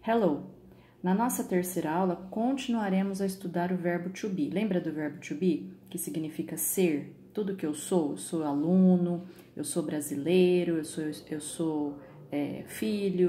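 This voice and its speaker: Speaking at a measured pace in a dark, low-leaning voice, a Brazilian Portuguese-accented woman leads a recorded online English lesson at home on her computer. She patiently asks "tá?" and "tá bom?" often, amid room echo and faint background noise.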